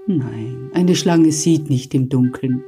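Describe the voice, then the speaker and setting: A woman's voice: rumbling low, slow, warm tone, soft background music, full character voice. Woman doing a fretful old storybook rat. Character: old rat, weary, timid, longing to change.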